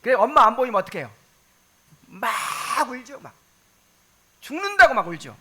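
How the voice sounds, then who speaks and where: A male pastor delivering an animated sermon. His voice sits high and swings widely in pitch. The tone is bright and forceful, and he keeps talking straight to the congregation. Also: moderate pace. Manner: animated, conversational preaching with questions to the congregation.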